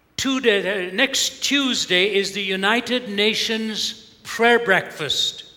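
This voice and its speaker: Over noticeable background noise, a man with a high pitch talks in a raised, projected voice, very slowly yet with hardly any pauses, his pitch varying in an ordinary way. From India. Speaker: preacher. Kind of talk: sermon with interpreter. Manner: pauses for translation.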